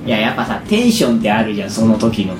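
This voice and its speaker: A man with a hoarse, raspy voice worn out from shouting, chatting casually and at length as a show host. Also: fairly low pitch, very animated, racing. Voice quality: hoarse, gravelly rasp from overused voice. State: hoarse after a day of shouting karaoke. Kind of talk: casual chat. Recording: echoey room with music behind. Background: background music.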